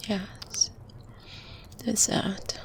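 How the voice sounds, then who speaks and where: A woman's whispered witch character turns pensive and secretive in this ASMR roleplay, the kindly, wise old figure speaking softly and breathily. She moves slowly and gently, pausing thoughtfully and humming under her breath. Behind her are medieval ambience sounds over a faint noise bed.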